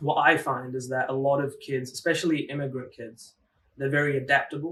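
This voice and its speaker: A man speaks with a New Zealand accent. His voice is fairly high, with a bright, sharp tone. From England and New Zealand, Sri Lankan-born. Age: 20s. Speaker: university student. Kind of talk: interview answers. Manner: casual with many fillers.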